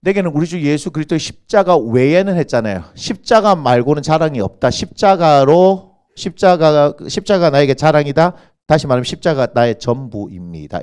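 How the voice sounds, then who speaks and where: Male pastor, fairly high voice, animated sermon with rhetorical questions. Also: clean tone. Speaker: senior pastor. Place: church sanctuary.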